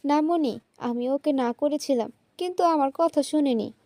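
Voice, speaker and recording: Mistreated young woman, tearful and pleading, read by a woman storyteller; high and mellow. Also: moderate pace, no echo.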